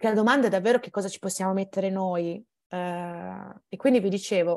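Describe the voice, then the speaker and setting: A woman's dark, mellow tone comes through against a quiet background. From Italy. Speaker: photographer; guest. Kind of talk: live online talk to an audience. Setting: video call. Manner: animated, emotional. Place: home room. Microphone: earbuds.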